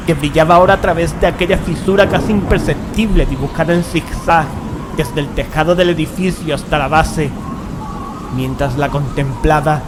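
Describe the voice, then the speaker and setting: An actor playing a horrified gentleman who recounts a gothic tale in solemn, measured, dramatic narration. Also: on the high side, background noise, lightly acted. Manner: solemn, literary, measured phrasing. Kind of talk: dramatic scripted horror narration. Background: dramatic music.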